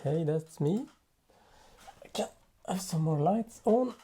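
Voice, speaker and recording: A man presenting an unscripted software tutorial in a halting way, thinking aloud as he works. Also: fairly high pitch, animated, husky. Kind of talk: unscripted software demo narration.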